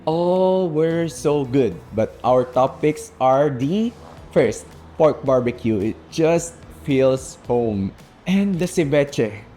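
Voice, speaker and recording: A man's voice: medium pitch, animated, slow pace, dark tone. A man with a Filipino accent, a native Tagalog speaker, narrating a storytime vlog. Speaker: vlogger. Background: background music.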